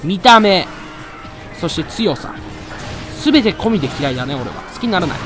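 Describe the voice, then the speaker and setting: A man giving excitable live gameplay commentary, loudly taunting and grumbling at the monster he is fighting. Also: high-pitched, normal speed. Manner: excitable, trash-talks the monster with rough taunts. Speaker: let's play commentator. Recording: loud game music behind voice. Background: game music.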